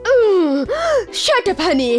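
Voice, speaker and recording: An actor voicing a flustered, squeaky cartoon character who is quick to scold. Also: very animated, music in the background, full character voice. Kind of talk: cartoon dub acting.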